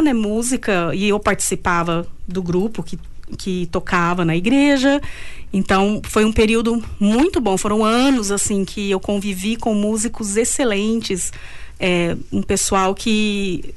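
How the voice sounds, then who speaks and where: Speaking at a medium pitch, this Brazilian woman, a singer-songwriter, tells stories in a relaxed interview, slipping quick laughs in between her phrases.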